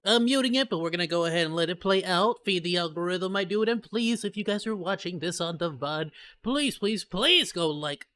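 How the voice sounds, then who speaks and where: A man streaming live, reacting to videos with loud laughs and excited outbursts. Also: high-pitched, a little fast.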